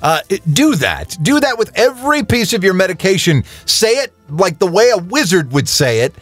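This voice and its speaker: A man's voice: sits high, very animated, moderate pace, no echo, soft background music. A man co-hosting a comedy podcast, playful and wry, steering the show's segments. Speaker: podcast co-host. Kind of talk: casual comedic chat.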